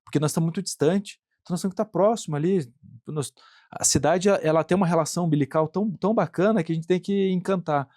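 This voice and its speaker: A middle-aged Brazilian man, an industrial plant manager, speaks in a high-pitched, mellow voice at a quick pace with a Brazilian Portuguese accent. He answers interview questions earnestly, thinking aloud, often using tag questions and repeating words. The recording is studio quality with no room sound.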